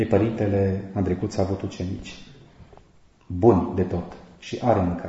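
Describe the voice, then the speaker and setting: This man has a fairly low pitch and a monotone, flat delivery. He leaves long, frequent pauses, and the room echo is audible. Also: moderate pace. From Romania, Sibiu county. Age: 60s. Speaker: priest and theology professor. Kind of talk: lecture.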